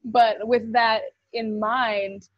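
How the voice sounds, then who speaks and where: A woman's voice: on the high side, flat delivery, very slow, dry recording. A young woman co-hosting a casual video call chat, rambling with many fillers. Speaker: co-host. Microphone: webcam on video call. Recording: dull, dry webcam audio.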